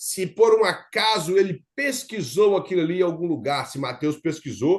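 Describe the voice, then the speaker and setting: A man's high-pitched voice at a moderate pace. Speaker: bible teacher. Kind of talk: lecture. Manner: halting.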